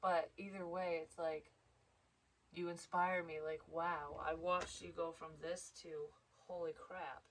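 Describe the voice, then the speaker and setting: A woman's voice: fairly low pitch, level tone, unhurried, fairly bright tone, slight background noise, poor audio. A woman giving a casual psychic reading, stuffed up and congested, rambling and interrupting herself. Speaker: psychic tarot reader.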